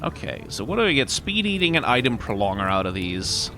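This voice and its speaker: A man's voice: mid-range voice, sing-song, a little fast, sharp tone. A man giving casual video game commentary, musing aloud in a wry way. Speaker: gaming video host. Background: faint game music.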